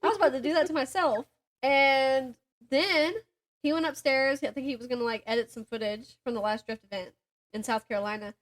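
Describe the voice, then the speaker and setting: A young woman with a distinctly high voice talks as a podcast co-host. She rambles through everyday stories in a casual, chatty style, and her delivery is giggly. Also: fairly quick. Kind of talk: casual chat between friends.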